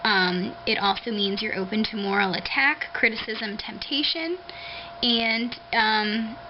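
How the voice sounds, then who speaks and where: A woman vlogger talking casually and haltingly to her webcam, with drawn-out, hissing s sounds like a lisp. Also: on the high side. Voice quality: lisping, hissy drawn-out s sounds. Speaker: video blogger. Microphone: webcam microphone. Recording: noisy dull webcam audio, hissing sibilance.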